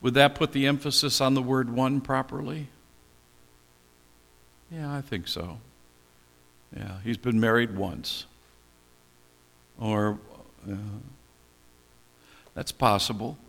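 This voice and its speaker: Gravelly older pastor in a reverberant hall. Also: male voice, mid-range voice, steady tone, slow pace, long pauses, fairly bright tone. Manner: conversational, asks and answers his own questions. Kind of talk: expository Bible teaching.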